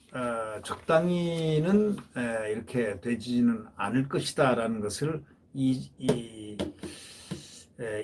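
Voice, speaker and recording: A man's voice: mid-range voice, a little mellow, slight background noise. A man giving solo political commentary, talking emphatically and repeating phrases to drive his points home.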